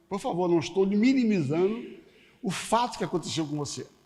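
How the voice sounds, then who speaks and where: A man talks in an animated tone with lively intonation and a high pitch. His moderate pace carries audible room echo. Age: 60s. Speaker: pastor. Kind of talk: sermon.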